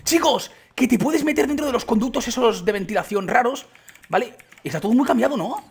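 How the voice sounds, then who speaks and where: Excitable young Spanish gamer man. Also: creaky, slight background noise. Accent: Spain Spanish. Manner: excitable, exclaiming, quick shifts in pitch. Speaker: gaming YouTuber. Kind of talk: excited gameplay commentary.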